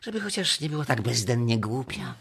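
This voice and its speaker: An actor playing a hostile, scornful Martian in a radio drama, with a raspy voice and a dismissive, commanding manner. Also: male voice, medium pitch, big pitch swings, brisk, fairly bright tone, exaggerated voice. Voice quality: raspy, gravelly.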